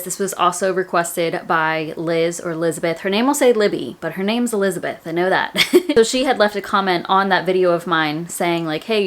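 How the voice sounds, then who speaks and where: A woman, chatting casually to her viewers about her personal finance goals, rambling with lots of "like"s. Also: fairly low pitch. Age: 30s. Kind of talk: casual chat to camera.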